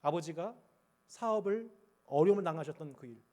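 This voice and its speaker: High-voiced man preaching with passion. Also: animated, brisk. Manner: impassioned, swinging from loud cries to quiet confession. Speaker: pastor. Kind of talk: sermon. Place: church sanctuary at the pulpit.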